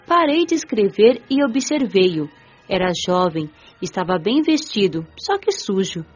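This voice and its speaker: A woman playing a gentle, playful young spirit who narrates an audiobook drama in an expressive storytelling manner. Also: medium pitch, unhurried, breathy edge. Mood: narrating. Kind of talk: scripted first-person audiobook narration. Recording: dull band-limited audio, faint music.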